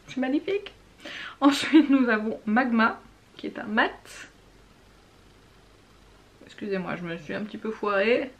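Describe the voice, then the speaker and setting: A woman chatting casually as she swatches makeup, gushing and sometimes dropping to a whisper. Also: a little high. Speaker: beauty vlogger.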